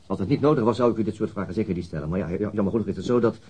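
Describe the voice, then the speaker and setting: An actor playing an awkward but persistent, courteous police inspector in a radio drama, with formal, halting questioning. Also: male voice, lowish voice, dark tone, breathy edge. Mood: awkward, apologetic.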